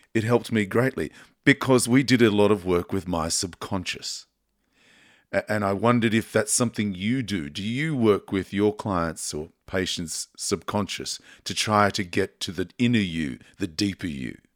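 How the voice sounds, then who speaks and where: At a moderate pace, a man with an Australian accent and fairly low pitch speaks with ordinary pitch variation, recorded very cleanly, dry and close with no echo against a silent background. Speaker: podcast host and singer. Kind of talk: interview conversation.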